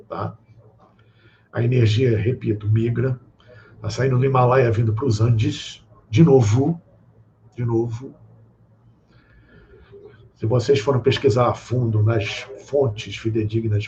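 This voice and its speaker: A man's voice: mid-range voice, warm tone, slight background noise. Brazilian man lecturing over dull stream audio. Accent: Brazilian Portuguese. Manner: lecturing, repeats "tá?" to check in. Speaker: guest speaker on esoteric topics. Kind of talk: live-stream talk.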